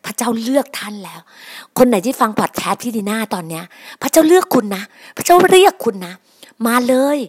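A woman's voice: a little high, sing-song, a little fast, husky. A woman preaching a sermon on her podcast, emphatic and repetitive, often addressing her listeners as brothers and sisters.

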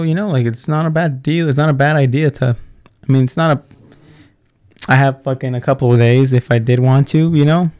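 A man in his twenties hosts a solo podcast, rambling casually and profanely, often correcting himself and laughing. His voice is medium in pitch with a darkish tone.

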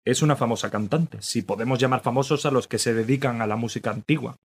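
A man's voice: medium pitch, fast, breathy edge. A man playing a middle-aged forensic doctor who talks in a dry, matter-of-fact way. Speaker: forensic pathologist. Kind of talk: radio drama acting.

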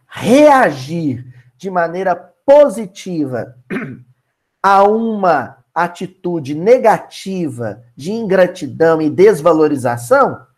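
A man leading a Spiritist Bible study lesson, colloquial and asking his listeners questions. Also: high-pitched. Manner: animated, colloquial, asks the audience questions.

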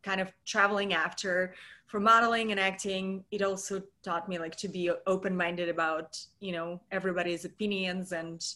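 A woman's voice: on the low side, steady tone, moderate pace, bright, forceful tone. A woman in her thirties from Russia, a podcast guest chatting casually over a video call from home, with lots of fillers and frequent laughs. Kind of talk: casual interview chat.

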